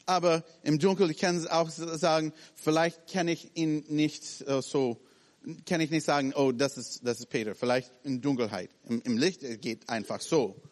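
Animated preacher man in a reverberant hall. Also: a little high, moderate pace. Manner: animated, acts out scenes in short broken phrases. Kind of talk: sermon.

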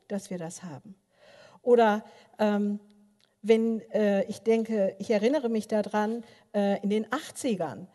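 An older woman preaches a sermon with a voice of middling pitch, weaving in personal stories. She tells them with animated energy, fills pauses with hesitant sounds and turns to her listeners often. Her voice rings out with a long reverb, as in a large church hall. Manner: animated storytelling, many filler sounds, addresses listeners directly.

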